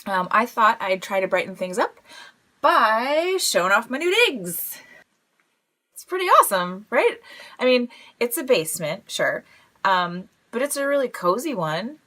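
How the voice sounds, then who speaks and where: An eager, awkward young-spirited female scavenger, played by a woman in an audio comedy. Her voice is bright and very animated in pitch. She sounds determinedly upbeat. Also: a little slow, heavily acted. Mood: perky.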